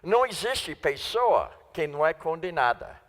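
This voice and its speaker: A man's voice: fairly high pitch, big pitch swings, measured pace. A man preaching a sermon in Portuguese, which is not his first language, stressing and repeating key phrases. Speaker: guest preacher. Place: church sanctuary. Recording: long church reverb.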